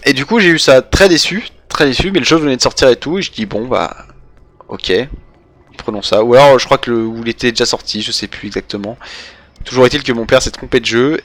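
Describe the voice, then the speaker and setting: A man's voice: medium pitch, a bit bright. A young French man doing casual live game commentary, rambling and hesitant as he goes. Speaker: game streamer.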